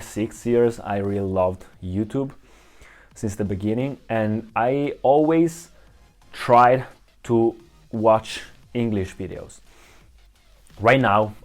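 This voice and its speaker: A man's voice: lowish voice, darkish tone. Young Italian man chatting to camera. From Italy. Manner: chatty, restarts and searches for words in English. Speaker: vlogger. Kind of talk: casual talk to camera.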